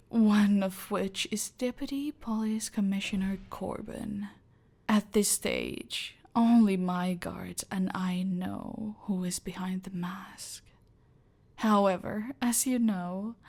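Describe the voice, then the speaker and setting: A domineering female cartel boss, played by a woman in an ASMR roleplay, who delivers her threats in a soft, close whisper. Her voice is gravelly with vocal fry. She speaks slowly, dragging out every word to keep the listener under her control. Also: mid-range voice. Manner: slow, deliberate, menacing, controlling.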